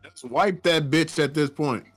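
A man's voice: a little high, a little slow, breathy edge, no echo, soft background music. A man with an African American English accent, chatting casually and jokingly as a podcast guest.

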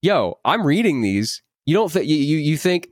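A man in his twenties, a voice actor, chatting in an interview, animated and repeating words as he acts out quotes. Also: fairly high pitch, normal speed, dry recording, studio quality. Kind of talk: casual interview chat.

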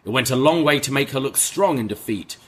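A man's voice: medium pitch, animated, a little fast, a bit bright, slight background noise. A man in his thirties co-hosting a podcast, joking around and reading listener mail. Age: 30s. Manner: joking, playful banter. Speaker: podcast co-host. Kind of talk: casual podcast chat.

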